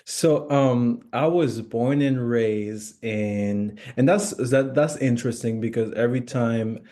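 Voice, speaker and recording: Hesitant young man from France, mellow voice. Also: medium pitch, slow. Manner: hesitant, many fillers, searching for words. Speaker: guest, former student. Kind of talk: casual interview answers.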